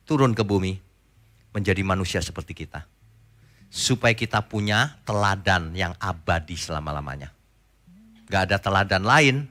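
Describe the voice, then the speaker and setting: Male pastor, bright tense tone, chatty sermon, loud points then quiet asides, rhetorical questions to the flock. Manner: conversational preaching, swings between loud emphatic points and soft low asides; asks the congregation rhetorical questions.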